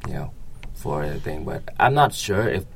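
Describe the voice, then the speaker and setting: A young man with a Vietnamese accent talks in an extremely low voice full of fry. He answers casually, hesitating and hedging as he goes. There is noticeable background noise in the recording. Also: sing-song, normal speed. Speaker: interviewee. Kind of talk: casual interview conversation.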